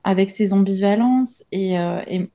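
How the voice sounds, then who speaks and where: Speaking a little slowly in a dark, mid-range voice, a French-native woman in her thirties reflects as an interviewed journalist and author. Her thinking unfolds aloud, full of hesitations and restarts.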